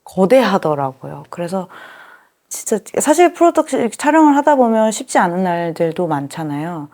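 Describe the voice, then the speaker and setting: A young woman speaks in an earnest, open way, her voice soft and mellow rather than bright. She laughs easily and slips into lively quoted lines as she talks. Her pitch sits in a middle range. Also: a little fast. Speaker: actress, interview guest. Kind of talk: casual interview talk.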